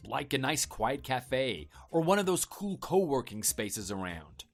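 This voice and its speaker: A man's voice: mid-range voice, big pitch swings, measured pace, faint music behind. A man playing an evasive husband in a scripted online story drama, talking casually and persuasively to placate his wife. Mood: upbeat, persuasive.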